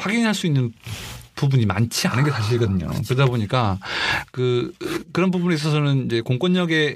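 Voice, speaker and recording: A man talks at a fairly quick pace with a medium pitch and very wide pitch swings. Noticeable background noise runs underneath. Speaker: entertainment news reporter. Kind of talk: casual chat.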